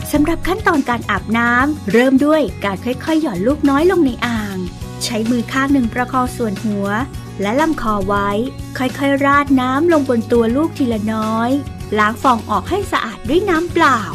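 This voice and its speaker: Music in the background behind a woman's high, relaxed voice with lively intonation. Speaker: voice-over announcer. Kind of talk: instructional product narration. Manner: relaxed, happy, loving, like a mother chatting with a friend.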